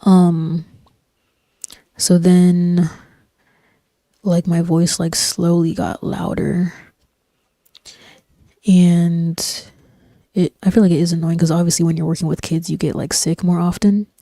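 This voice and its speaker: A young woman streamer chatting casually while she plays, in a soft-spoken, breathy, near-whispered voice that rambles with lots of fillers. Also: on the low side, takes it slowly, long pauses, dry recording, clean studio sound. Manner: rambling, relaxed, frequent fillers and slang. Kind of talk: casual chat while gaming. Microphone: desk microphone.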